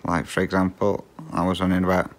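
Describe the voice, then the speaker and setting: Deep, monotone and quick, this middle-aged Englishman's voice carries a slight Australian twang over faint background noise. He chats and rambles while cross-stitching, chuckling often and full of ums and restarts.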